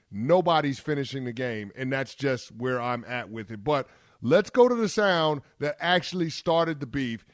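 A man in his thirties co-hosting a sports radio show, brash and playful with lively trash talk. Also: mid-range voice, dry recording, studio quality. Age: 30s.

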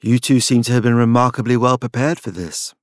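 A male narrator plays a wry, courteous storybook gentleman. He is formal and understated, at a middling pitch, in a dry recording. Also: a little fast, dry recording, close to an everyday voice. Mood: wry relief.

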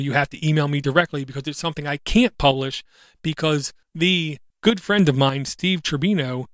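A man's voice: a little high, fairly bright tone, dry recording, clean studio sound. A man in his thirties hosting a solo podcast, earnest and reflective, with a slight speech impediment that brings out an occasional stutter. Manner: earnest, reflective, halting with fillers. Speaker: podcast host.

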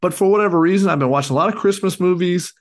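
Hoarse man talking sports. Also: high-pitched, very fast. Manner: rambling, many fillers. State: hoarse, recovering lost voice. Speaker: podcast co-host. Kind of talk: casual sports podcast chat.

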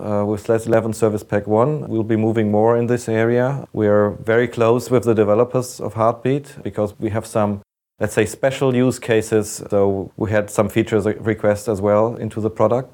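A man's voice: lowish voice, a little mellow. A man with a German accent giving explanatory answers as an interview guest. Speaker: data center manager, interview guest.

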